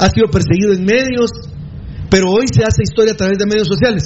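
A man talks at a fairly quick pace with a high pitch and ordinary pitch variation. Noticeable background noise runs underneath. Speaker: sports radio co-host. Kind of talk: radio talk show.

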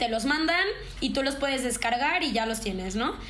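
There is noticeable background noise and audible room echo as a woman speaks at a high pitch with lively intonation. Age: 20s. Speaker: content creator. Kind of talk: casual chat.

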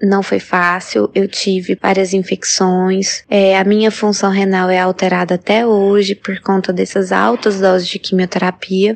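Speaking at a fairly slow pace with hardly any pauses, a woman talks in a monotone, flat way at a medium pitch, the sound dry and close with no echo over a quiet background. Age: 30s. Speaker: hematologist and cancer survivor. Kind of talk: testimony.

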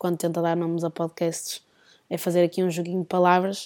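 A dark, mellow tone at a fairly quick pace, in a very clean recording with a silent background. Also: woman. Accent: Porto. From Portugal, Porto. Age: 20s. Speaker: podcast host. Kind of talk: casual monologue. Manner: halting.

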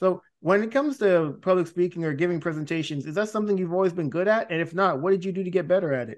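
A high-pitched man's voice at a very fast pace with hardly any pauses, ordinary pitch variation, and a quiet background. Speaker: podcast host. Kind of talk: casual interview.

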